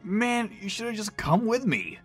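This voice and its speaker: Man acting an animated, easygoing buddy. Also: high-pitched, measured pace, breathy edge, soft background music, full character voice. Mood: casual. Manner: casual, slangy. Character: easygoing male coworker, casual, mildly exasperated buddy. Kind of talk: audio drama acting.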